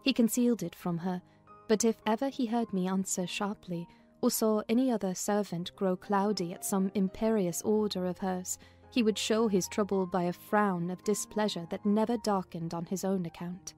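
A woman narrates a classic novel as a housekeeper, in a measured storytelling style. Her voice is mellow and of medium pitch. Soft music plays behind her. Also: fairly even intonation. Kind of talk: dramatized audiobook narration, in character as a housekeeper. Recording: music under the voice.

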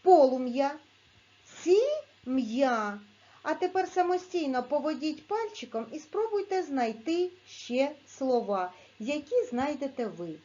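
A woman teaching a video lesson to young pupils, speaking clearly and patiently and sounding out letters and syllables. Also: high-pitched, big pitch swings, dark tone, highs cut off. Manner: slow, clear, patient dictation-like instruction. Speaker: primary school teacher.

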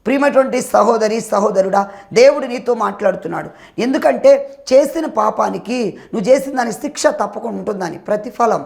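Male pastor, sermon, fervent, gravelly voice, emphatic appeals. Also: high-pitched, expressive, a little fast, a little mellow.

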